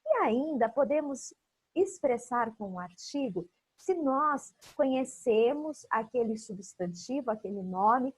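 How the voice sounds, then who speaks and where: A woman's voice: on the high side, husky, no echo, rough recording. A woman with a Brazilian Portuguese accent teaching a recorded online class for young children, patiently explaining and drawing out example words.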